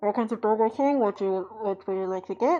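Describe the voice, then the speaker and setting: Someone talks in a put-on character voice at a moderate pace. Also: female-sounding voice, medium pitch for a woman. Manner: service-friendly, scripted.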